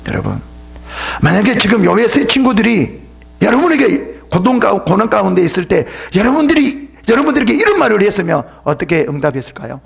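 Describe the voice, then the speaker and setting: A man's voice: high-pitched, sing-song, a little fast, creaky, breathy edge. A man pastor giving an emphatic sermon at a church seminar, addressing listeners sharply and sometimes dropping into a whisper.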